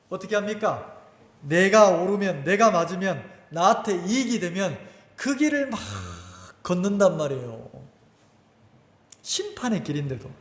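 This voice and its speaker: A man's voice: high-pitched, fairly bright tone. A pastor preaching a sermon, firing rhetorical questions at his congregation with emphatic delivery. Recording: echoey church hall.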